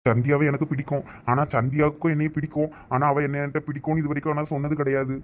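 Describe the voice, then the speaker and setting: A man voicing young male cartoon characters at a rapid clip. His voice sits a little high, and he talks earnestly and persuasively. The sound is dull and lo-fi. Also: flat delivery, very noisy. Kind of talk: cartoon voice acting. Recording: dull lo-fi recording.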